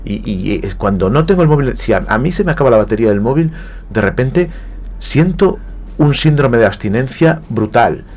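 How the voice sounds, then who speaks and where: A man's voice: medium pitch, expressive, moderate pace, a little mellow. A man from Galicia with a Spanish accent, speaking reflectively as a guest on a radio interview, often hesitating and repeating words. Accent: Spanish, from Spain. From Galicia, Spain. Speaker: guest writer. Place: radio studio.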